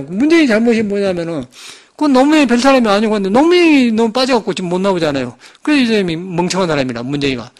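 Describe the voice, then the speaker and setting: Fast-talking high-voiced monk. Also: male voice. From Jeolla, South Korea. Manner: rambling, emphatic, conversational. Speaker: Buddhist monk. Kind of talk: dharma talk sermon.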